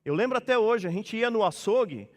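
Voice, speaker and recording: A man's voice: sits high, animated, fairly quick, a little mellow. A man from Brazil, a pastor, preaching a sermon in a conversational way and acting out little dialogues. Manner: conversational preaching, acts out dialogues in changed voices. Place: church hall. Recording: long church reverb.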